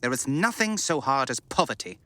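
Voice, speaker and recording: Casting: ambitious young gentleman, defensive, sharp-edged mid-range voice, formal period drama. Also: medium pitch, very animated, fairly quick, dry recording. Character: proud, defensive younger Scrooge, money-driven suitor. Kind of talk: audio drama acting.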